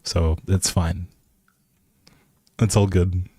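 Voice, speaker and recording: Low-voiced man chatting casually on a stream. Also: level tone, extremely slow, mellow, dry recording. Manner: playful, teasing, informal banter. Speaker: game livestream host. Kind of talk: casual livestream chat with viewers.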